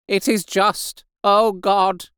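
A frenzied, half-mad clergyman preaches doom in a storybook reading. His voice soars high above a normal speaking register, loud and wailing, with words stretched out in fervour. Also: flat delivery, takes it slowly, smooth, dry recording, studio quality, heavily acted. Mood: anguished repentance. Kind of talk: theatrical audiobook character acting.

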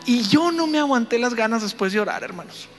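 A man, a pastor, telling a story in a sermon, animated and playful as he talks to the congregation. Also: extremely high pitch, a little fast, big-room sound, soft background music.

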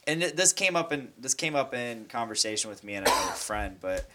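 A man's voice: medium pitch, fairly even intonation, a little fast, sharp tone. A man in his late twenties hosting a podcast, rambling and playful in casual chat. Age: late 20s. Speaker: podcast host.

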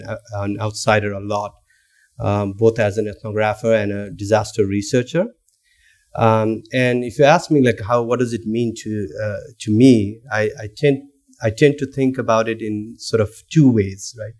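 A man's voice: fairly low pitch, darkish tone. A man from Nepal, a researcher in his thirties, speaking thoughtfully with many fillers and restarts. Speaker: guest lecturer and researcher. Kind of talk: academic conversation.

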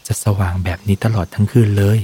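A man voicing a small, loyal mouse who earnestly urges a friend on, raising his pitch, with a husky tone. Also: fairly even intonation, fast, dark tone. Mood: urgent. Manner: earnest, urging.

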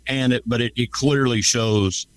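A man's voice: medium pitch, steady tone, measured pace. A man with a folksy, plain-spoken way of talking, giving conversational market commentary as a guest. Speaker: guest, livestock marketing rep and cattle owner.

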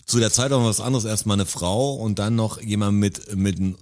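A man with a fairly low voice talks casually on a podcast. He rambles and jokes and often trails off into quieter asides. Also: brisk. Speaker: podcast co-host. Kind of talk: casual chat.

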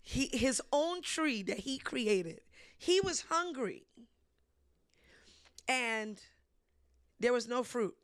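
A woman hosting a casual faith discussion, telling stories with lively animation and frequent laughs. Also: a little high, takes it slowly, long pauses, no echo, clean studio sound. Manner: animated storytelling, laughs often. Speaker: ministry host.

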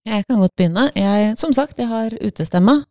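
A woman's voice: mid-range voice, warm tone, dry recording, studio quality. A woman guest chatting candidly and with self-deprecating humour about her own voice. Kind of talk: casual chat.

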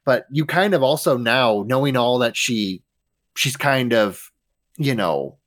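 A man co-hosting a podcast, chatting casually in a joking, animated way and swearing freely. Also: medium pitch, a little slow. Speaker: podcast co-host. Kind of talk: casual chat.

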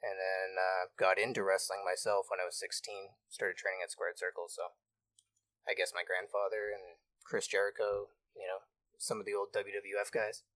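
A young man, a guest wrestler talking casually and loudly in a small studio interview. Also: deep voice, flat delivery, normal speed, no room sound. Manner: loud, used to yelling, easygoing.

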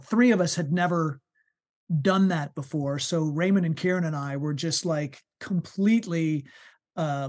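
A man with a high voice, a musician telling stories in a casual interview, animated and full of fillers and restarts. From United States. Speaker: musician guest.

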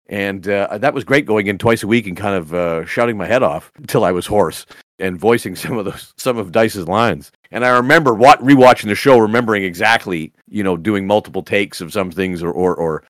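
A man's voice: lowish voice, no room sound. A man, a voice actor guest on a podcast, telling rambling anecdotes with lots of restarts and fillers. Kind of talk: casual podcast interview.

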